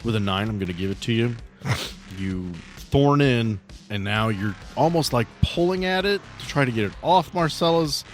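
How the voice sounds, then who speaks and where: A man's voice: mid-range voice, animated, moderate pace, faint music behind. A man acting as game master, narrating a tabletop horror game in a conversational way.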